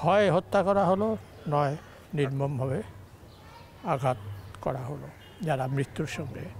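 A man's fairly high voice with lively intonation and vocal fry over light background noise. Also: dry sound with no echo. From Bangladesh, Dinajpur; Bangladesh. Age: 70s. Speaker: retired physics professor. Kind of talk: interview. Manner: halting. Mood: earnest, concerned. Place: street. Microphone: lapel.

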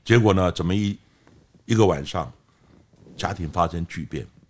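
This man speaks with a very deep, low pitch, ordinary pitch variation, and audible vocal fry. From Taiwan. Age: 60s. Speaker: forensic expert; guest. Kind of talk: interview. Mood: calm explanatory. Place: studio. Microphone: studio mic.

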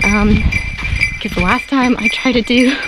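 Loud background noise behind a woman's dry voice, free of echo. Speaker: hiker vlogger. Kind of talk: casual vlog chat. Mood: cheerful, self-deprecating, laughing. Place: forest. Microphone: phone near.

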